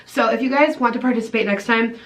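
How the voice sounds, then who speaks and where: A woman's voice: on the high side, quick pace. Playful young woman chatting with her partner. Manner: playful, teasing, storytelling with acted quotes. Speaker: vlogger. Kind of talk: casual couple chat.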